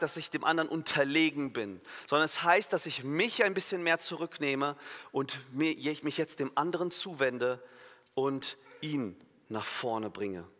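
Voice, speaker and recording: A pastor giving a sermon, emphatic and lively, acting out imagined inner voices and now and then correcting himself mid-sentence. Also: male voice, fairly high pitch. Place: church hall. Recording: long reverb of a church hall.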